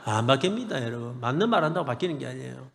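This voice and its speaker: A middle-aged male pastor with a Gyeongsang accent preaching a revival sermon, building to loud blessings and joking with the congregation. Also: medium pitch, lively intonation, fast, creaky. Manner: preaching with rising shouted blessings and humorous asides to the congregation. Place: church sanctuary. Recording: long hall reverb in a church.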